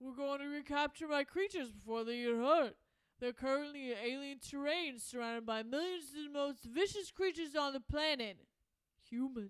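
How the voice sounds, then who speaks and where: A high-pitched, put-on character voice with a dramatic tone at a moderate pace. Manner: dramatic, exaggerated.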